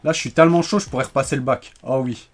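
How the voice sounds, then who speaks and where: A man giving joking, animated commentary while playing a shooter, ranting when things go wrong. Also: medium pitch, faint music behind. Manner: animated, joking, quick to rant when frustrated. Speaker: gaming YouTuber. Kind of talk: live gameplay commentary.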